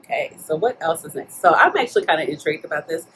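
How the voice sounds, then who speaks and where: A woman chatting casually about makeup and fragrance, playful and quick to laugh. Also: low-pitched, lively intonation, fairly bright tone, slight background noise. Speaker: beauty channel host.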